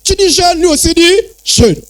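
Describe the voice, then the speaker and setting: A man's voice: very high-pitched, lively intonation, moderate pace, dry recording. A man preaching a sermon as an apostle, with emphatic repetition and call-and-response phrasing.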